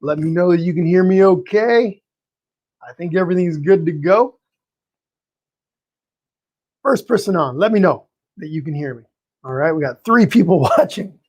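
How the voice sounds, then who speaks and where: A man hosting a live painting stream, greeting viewers by name in a friendly, chatty way, his voice a little hoarse and tired, clearing his throat now and then. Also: sits high, expressive, normal speed, long pauses, a little mellow. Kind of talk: live-stream chat and teaching.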